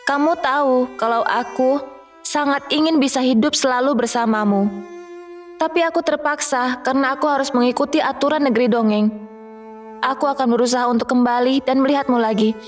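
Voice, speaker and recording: A woman's voice: high-pitched, fairly quick, faint music behind, lightly acted. A woman playing a young lovelorn fairy, earnest and dramatic, in a children's fairy tale cartoon. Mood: sad, tender.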